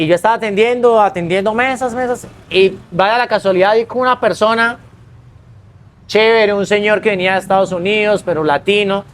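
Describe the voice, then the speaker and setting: A man's voice: sits high, a little hiss or hum. A young Colombian man telling his own story in a casual interview, earnest, often restarting his phrases. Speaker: guest, pizza business owner.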